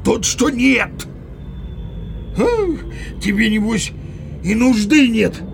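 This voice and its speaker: An actor playing a grumbling, sociable and indecisive village Cossack in an audio play, with drawn-out exclamations. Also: male voice, sits high, creaky, faint music behind, full character voice. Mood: grumbling, indignant. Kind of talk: theatrical audio play acting.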